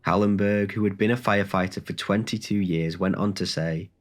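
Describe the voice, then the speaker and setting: A man with a bad cold, reading a scripted documentary narration in a measured, even way as the channel's host. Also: sits low.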